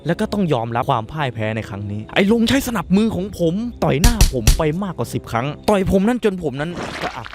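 A man's voice: fairly high pitch, very animated, fast talker, few pauses, over music. A man telling a dramatic first-person story in colloquial speech, emphatic and suspenseful.

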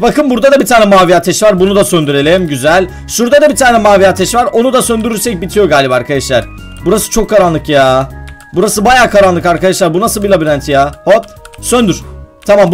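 A young man playing a video game and commenting to his viewers, excitable and quick to get worked up when the game goes wrong. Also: high-pitched. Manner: excitable, addresses viewers as friends, gets worked up at traps. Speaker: gaming YouTuber.

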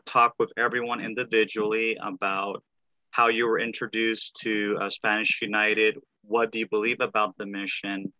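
A man hosting an online group podcast, talking in a halting way with lots of fillers and restarts. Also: fairly low pitch, sharp tone, no room sound, highs cut off. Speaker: podcast host and founder. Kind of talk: casual online group call.

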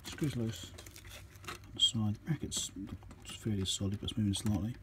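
A man speaks in a fairly low voice over clear background noise. He gives an unscripted, matter-of-fact commentary in short fragments, as a repairer thinking aloud at his bench. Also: steady tone, moderate pace. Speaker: electronics repairer presenting a repair video. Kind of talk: casual unscripted workbench commentary. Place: indoor electronics workbench. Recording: noisy hand-held workshop recording.

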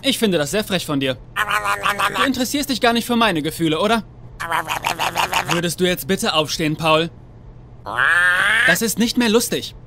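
High-voiced man as a psychopathic cartoon llama, blithely innocent, petulant, comic dub, noisy background. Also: expressive, moderate pace, pauses often. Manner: blithely innocent, self-justifying. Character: cheerful, guiltless, psychopathic male llama, petulant when criticized.

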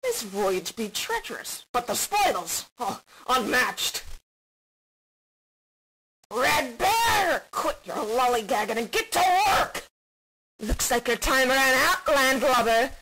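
Brief: bossy pirate captain for a game, bright forceful delivery, noisy recording. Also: female voice, high-pitched, sing-song, slow pace, exaggerated voice. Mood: commanding. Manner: theatrical pirate talk. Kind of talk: character voice acting demo. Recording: clearly noisy recording with clicks.

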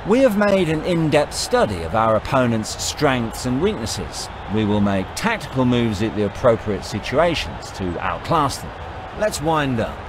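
Rousing cricket coach, lively delivery. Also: male voice, medium pitch, unhurried, noisy background. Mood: composed, confident. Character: determined, encouraging adult male cricket team coach. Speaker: cricket team coach character. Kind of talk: scripted motivational speech and press answers. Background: music.

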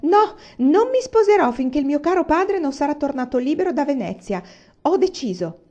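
A woman doing a high, loud, sulky young princess bride, tearful and pleading, with a warm tone and slightly muffled audio. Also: big pitch swings, a little fast. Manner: pleading, sobbing protests.

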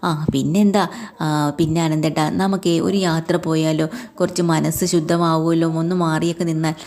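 A woman's voice: low-pitched, level tone, fairly quick, a little mellow. A woman voicing a self-pitying young wife who complains to her husband in a retold family story. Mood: coaxing. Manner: complaining, pleading.

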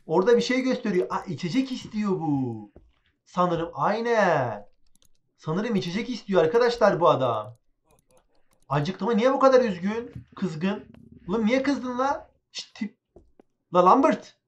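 A man chatting excitably as he plays a game, talking to his viewers and to the game characters. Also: sits high, lo-fi sound. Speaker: gaming channel host. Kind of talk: casual let's-play commentary.

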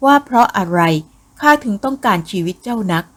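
A woman's voice: fairly high pitch, lively intonation, fairly quick, pitched above the performer's own voice. Vengeful ghost snake spirit, female, menacing and archaic, storybook telling, put on by a woman narrator.

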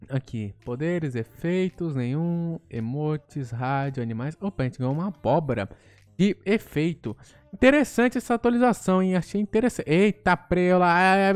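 A man with a Brazilian accent giving live gameplay commentary as a gaming YouTuber, excitable and quick to blurt out interjections. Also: a little high, clean tone, dry recording.

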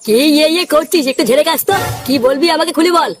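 A woman voicing a stern older father in a cartoon, lecturing in a slow, deliberate way. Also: high-pitched, over music, close to an everyday voice. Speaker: cartoon character.

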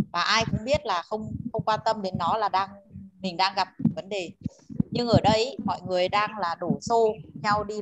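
A woman's voice: medium pitch, fairly bright tone, a little hiss or hum, poor audio. Earnest woman MC on a video call. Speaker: MC of an online meeting. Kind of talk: casual discussion on a video call. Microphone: webcam microphone on a video call.

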